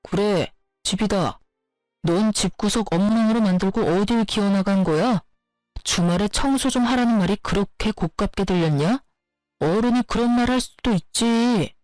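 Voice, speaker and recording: A woman's voice: mid-range voice, normal speed, darkish tone, dry recording, faint music behind, close to an everyday voice. A woman doing an angry accusing husband. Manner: accusing, curt. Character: angry young husband taking his mother's side.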